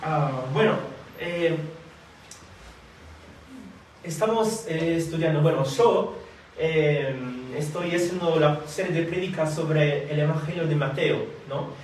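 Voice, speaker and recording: A man born in Italy leads a prayer and a sermon, halting often with fillers and restarts. His voice sits somewhat high. He is heard from a distance in a very echoey hall. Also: darkish tone, slight background noise. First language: Italian or Filipino language. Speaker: preacher. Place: church hall.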